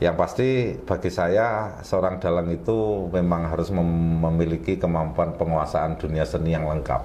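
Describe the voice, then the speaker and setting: Very deep, low pitch from a man, noticeable background noise around him. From East Java, Indonesia. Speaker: head of a regional culture and tourism office, former shadow puppet master. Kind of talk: podcast interview answer. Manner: humorous.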